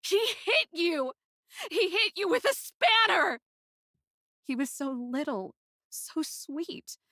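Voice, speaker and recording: A woman's voice: very high voice, animated, slow pace, pushed and bright, dry recording, clean studio sound, exaggerated voice. A woman playing a grieving, passionate young captive princess who tells her own story in an intense, emotive, dramatic first-person style. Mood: anguished fury, then guilty, tearful.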